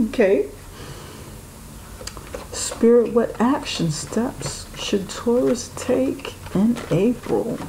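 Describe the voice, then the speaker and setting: A woman's voice: fairly high pitch, very slow, warm tone, a little hiss or hum, rough recording. A woman giving an intuitive tarot reading, musing aloud and speaking to spirit and the viewer. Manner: musing, talks to spirit and viewer, laughs often. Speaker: tarot reader.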